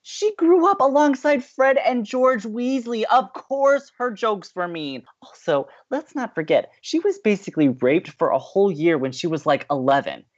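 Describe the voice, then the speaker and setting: A man playing an excitable, idealistic young campus radio co-host in an audio drama, with a playful, opinionated way of bantering. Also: sits high, moderate pace, few pauses, muffled recording. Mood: indignant.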